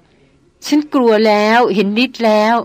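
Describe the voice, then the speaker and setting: A woman's voice: measured pace, dry recording, close to an everyday voice. A woman reading the lines of a shaken upper-class lady who speaks anxiously. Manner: shaky, anxious pleading.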